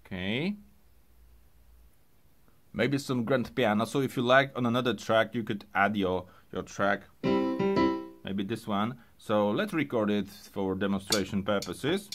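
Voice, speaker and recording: A man explains a looper step by step, halting with fillers and restarts. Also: on the low side, loud music behind the voice. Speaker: music gear tutorial host. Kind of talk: casual tutorial explanation.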